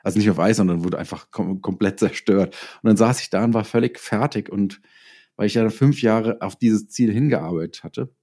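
Man, lowish voice, very mellow and dark, casual interview storytelling, self-deprecating, hesitant pauses. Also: slightly rough. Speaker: interview guest, writer and director.

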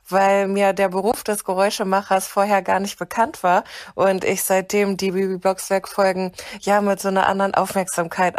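A woman's voice: mid-range voice, no echo, clean studio sound. A woman in her mid-twenties speaking as a fan in a voice message. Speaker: podcast listener, fan.

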